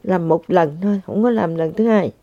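An older woman, a spiritual practitioner, earnestly shares a personal spiritual testimony with her listeners, repeating herself. Her voice is fairly low and warm, at normal speed, with no echo, though the recording has a dull lo-fi sound.

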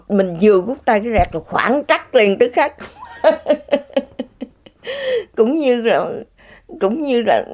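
A woman's voice: on the high side, darkish tone. Woman, personal testimony, exclamatory, laughs often. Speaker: speaker sharing a personal story. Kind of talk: casual spoken testimony.

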